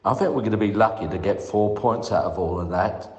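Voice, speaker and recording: A man's voice: lowish voice, fairly quick, darkish tone, highs cut off. A man leaving a voicemail for a podcast, giving a methodical, critical fan's opinion point by point. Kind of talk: prepared point-by-point match opinion. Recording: echoey, reverberant room voicemail.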